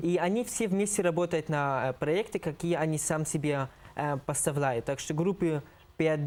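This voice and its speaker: A man speaks at a fairly slow pace with fairly high pitch and ordinary pitch variation. Loudness stays very even on a very clean recording with a silent background. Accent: German. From Germany, Berlin. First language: German (speaking Russian). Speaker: exchange student. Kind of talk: tv interview. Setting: tv studio. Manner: halting, many filler sounds.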